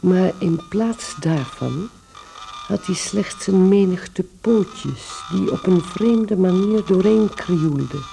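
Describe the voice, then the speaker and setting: An actor as a sober storyteller, giving measured, deliberate literary narration in a radio play. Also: male voice, sits high, creaky, dark tone, soft background music, exaggerated voice.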